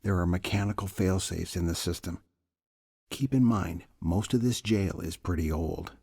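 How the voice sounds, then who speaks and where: A weary older warden in a game, low and husky, grave pauses. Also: male voice, a little mellow, heavily acted. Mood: weary, confiding. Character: weary imprisoned prison warden, grave and ominous. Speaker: prison warden character. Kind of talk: dramatic game cutscene acting.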